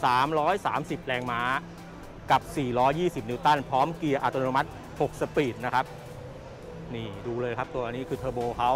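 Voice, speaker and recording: A man's voice: medium pitch, fairly even intonation, brisk, music in the background. Chatty man touring a car at an expo. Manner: chatty, repeats points, ends phrases with polite particles. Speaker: car show presenter. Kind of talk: casual walkaround car tour. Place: busy indoor motor expo hall. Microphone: handheld camera mic, presenter off camera.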